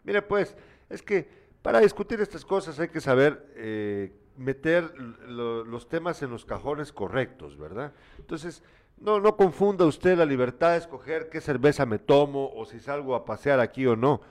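A man's voice: mid-range voice, animated, normal speed, darkish tone. A man co-hosting a news talk show. He reads viewer messages aloud and answers them with scolding, exasperated opinions in a casual, conversational way.

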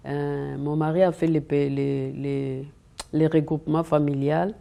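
Low-voiced woman, earnest. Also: flat delivery, a little slow, vocal fry, warm tone. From Democratic Republic of the Congo. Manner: earnest, repeats and restarts words often. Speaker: interview guest. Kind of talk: conversational interview. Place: community TV studio.

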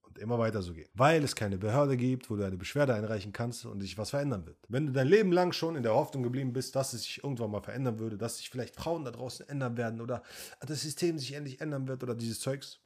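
A blunt men's coach talks straight at the listener in a confrontational lecture. His mid-pitched voice is husky and a little breathy. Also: fast talker, a little mellow. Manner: mocks the listener in a whiny voice. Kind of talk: confrontational motivational monologue.

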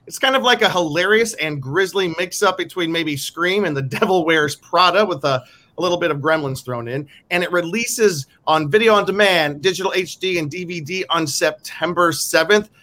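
Bright-voiced eager male podcast host. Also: fairly high pitch, moderate pace. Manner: eager, chatty, stumbles over words. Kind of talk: podcast interview hosting.

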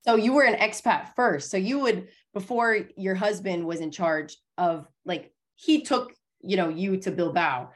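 A woman's voice: mid-range voice, measured pace, few pauses. An American woman hosting a podcast interview, upbeat and chatty as she introduces the show and asks questions. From United States. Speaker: podcast host.

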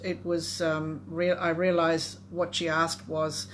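A woman's voice: low-pitched, flat delivery, slow pace, slight background noise. A woman hosting a podcast in casual conversation, talking with frequent fillers and restarts. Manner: hesitant, many fillers and restarts. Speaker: podcast host.

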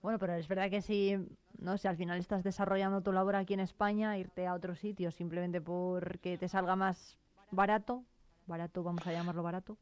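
Smooth-voiced woman radio host. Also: fairly low pitch, little pitch movement, a little mellow, dry recording. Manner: brisk, friendly prompting with short backchannels. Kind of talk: radio interview.

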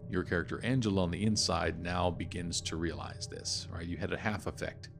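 A middle-aged man narrating an improvised tabletop game as game master, halting now and then to find his words. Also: low-pitched, fairly even intonation, gravelly. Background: music.

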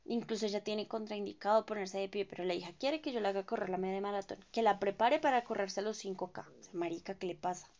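A woman's voice: mid-range voice, fast, hardly any pauses, a little mellow. Chatty Colombian woman, lo-fi sound. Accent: Colombian Spanish. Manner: chatty, emphatic, slangy. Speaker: home-care therapist and aspiring streamer. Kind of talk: casual storytelling vlog.

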